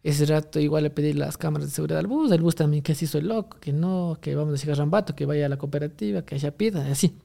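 A man's voice: fairly high pitch, racing, gravelly, hardly any pauses, dark tone. A young man, rambling through a story in casual chat, full of restarts and fillers. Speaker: guest telling a story.

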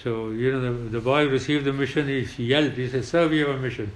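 An older man with a South Asian accent, a retired pilot recounting war memories in an interview in a halting, emphatic way. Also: medium pitch, reverberant. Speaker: retired air force pilot. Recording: clearly noisy background.

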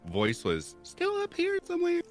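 A man's voice: very high-pitched, moderate pace, soft background music. A man chatting casually on a livestream, telling childhood stories with exaggerated quoted voices. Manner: animated storyteller, jumps into exaggerated quoted voices. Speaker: podcast guest. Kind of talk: casual chat, storytelling.

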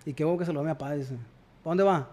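A man tells stories as a guest in a casual chat, his voice sitting a little high. He talks in slang and acts out both sides of every exchange. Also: very fast, a little mellow. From Culiacán, Sinaloa, Mexico. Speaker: guest musician.

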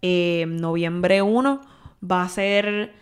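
A woman co-hosting a podcast in relaxed, casual talk. She is chatty and slips English words into her Spanish. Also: lowish voice, drawn-out words, clear, resonant tone. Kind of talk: casual chat.

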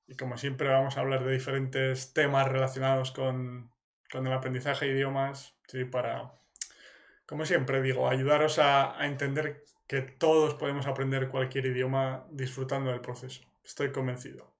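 A man from Spain hosting a podcast interview, friendly and encouraging with his guest. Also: medium pitch. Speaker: podcast host.

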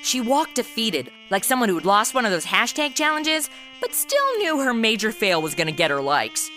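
An actress playing a sassy, flippant modern twenty-something in a comedic noir audio drama, slangy and snarky. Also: female voice, fairly high pitch, wildly swooping pitch, normal speed, bright, forceful tone, soft background music, full character voice. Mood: wry narration.

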